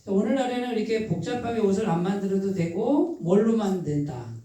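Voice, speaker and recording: A pastor with a Chungcheong accent gives a midweek sermon. The pastor keeps putting questions to the congregation, answers them, and repeats key phrases slowly and softly for emphasis. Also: mid-range voice, expressive. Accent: Chungcheong Korean. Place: church sanctuary. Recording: very echoey hall, voice from a distance.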